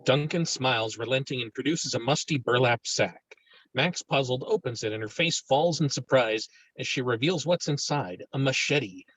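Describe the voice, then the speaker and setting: A man's voice: medium pitch, normal speed, fairly bright tone, husky, poor audio. A man reading stage directions aloud as scripted narration for a screenplay table read.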